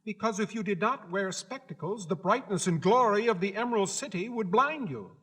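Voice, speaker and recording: A man's voice: high-pitched, expressive, moderate pace, a bit bright, slightly rough, long reverb tail, pitched above the performer's own voice, heavily acted. A man voicing a small, formal male gatekeeper in a storybook reading.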